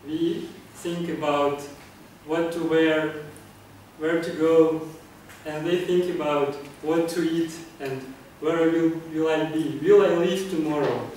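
A man's voice: a little high, distant mic, slight background noise. Earnest man in an echoey room. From Kazakhstan. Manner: earnest, repeats and restarts phrases, many uh fillers. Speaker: club speaker. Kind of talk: prepared public speech. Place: meeting room, indoors. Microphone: far camera.

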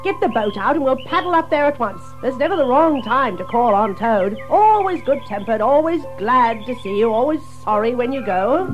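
An actor playing a kindly, sensible gentleman water rat, affable and chuckling, in a children's audio drama. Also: very high-pitched, expressive, normal speed, hardly any pauses, lo-fi sound, faint music behind. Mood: fond, amused.

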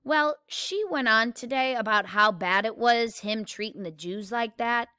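A woman's voice: on the high side, a little slow, pushed and bright, clear, resonant tone, no room sound, clean studio sound, voice pushed up. Woman reading as a curious young girl. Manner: questioning, earnest.

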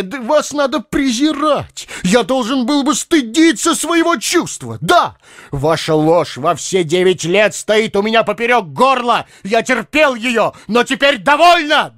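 A man voicing an aging, heavyset male doctor in an audiobook, moving from a soft tender half-whisper to bitter shouting. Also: lowish voice, lively intonation, takes it slowly, slightly rough, dry recording, clean studio sound, heavily acted. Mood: furious shouting. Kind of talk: audiobook character voice.

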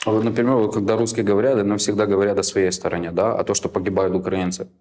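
Low-voiced man asking pointed questions. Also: level tone, racing, a little mellow. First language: Ukrainian. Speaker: interviewer. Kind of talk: interview. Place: small plain room indoors.

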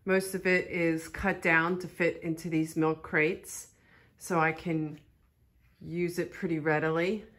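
A woman's voice: sits low, level tone, unhurried, a bit bright. A middle-aged woman with a Philadelphia American accent, chattily explaining things as she gives an informal studio tour. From Philadelphia, United States. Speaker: artist and studio tour host.

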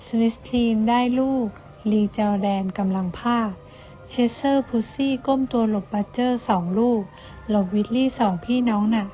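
A woman reading a storybook aloud in Thai, lively, shifting her voice for the characters. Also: a little high, moderate pace. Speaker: audiobook reader. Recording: tinny phone-like sound with faint music.

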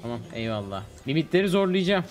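Animated high-pitched young man streaming a game. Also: fast talker. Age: young adult. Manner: exasperated, animated, slangy. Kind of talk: live gameplay commentary and casual chat with teammate. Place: indoor gaming room. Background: game music and sounds.

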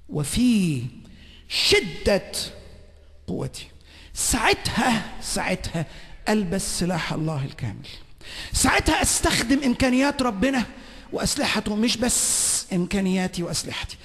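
A man with an Egyptian Arabic accent preaching a sermon at a conference, swinging between shouting and hushed whispers. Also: high-pitched, vocal fry, husky, big-room sound. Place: large conference hall.

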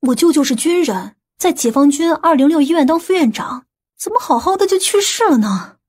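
A woman's voice: sits high, animated, a little fast, darkish tone. A woman playing a distressed, pleading female employee in an audiobook novel, sounding plaintive. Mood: upset, puzzled.

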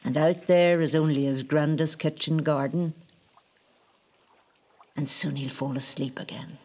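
A woman's voice: low-pitched, steady tone, a little slow, warm tone, husky. A woman playing the possessive, capricious spirit of a lake in a poetic audio drama, speaking in an intimate, incantatory way. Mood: yearning, haunting.

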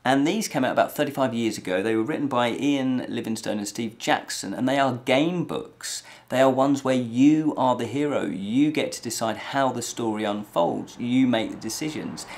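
A man in his forties hosting a review show, talking to camera in an animated, emphatic, conversational way. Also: medium pitch, normal speed, vocal fry, few pauses. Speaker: host of a fantasy review show. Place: small indoor room with fabric backdrop.

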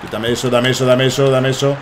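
A young man with a Spanish accent streaming a soccer game, rambling and excitable, with plenty of swearing. His voice sits at a middling pitch. A faint hiss of noise runs behind him. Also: fast talker. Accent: Spain Spanish. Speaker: gaming streamer. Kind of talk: excited gameplay commentary.

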